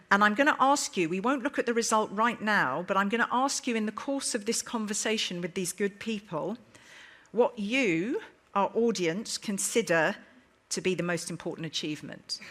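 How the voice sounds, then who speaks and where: A woman's voice: medium pitch, a bit bright. A woman moderating a live conference panel in a chatty, emphatic, bantering way, addressing guests and audience informally.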